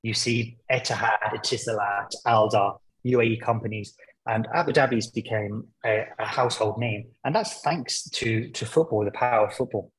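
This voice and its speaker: A man's voice: on the low side, moderate pace, husky, rough recording. Man explaining things as an interview guest. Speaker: football journalist guest. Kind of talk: conversational interview commentary.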